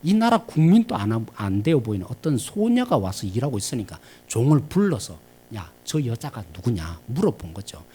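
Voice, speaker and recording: Male preacher, midweek service; husky, animated, lively pitch. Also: brisk, few pauses. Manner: animated preaching, swings between loud emphasis and quiet asides. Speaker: pastor. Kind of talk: sermon. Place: church sanctuary.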